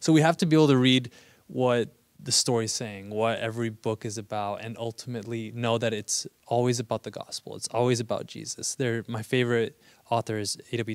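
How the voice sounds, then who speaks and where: This man's speech moves at a fairly quick pace. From Mexico City and Colorado. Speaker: Bible college student. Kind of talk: casual chat. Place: stage. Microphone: handheld.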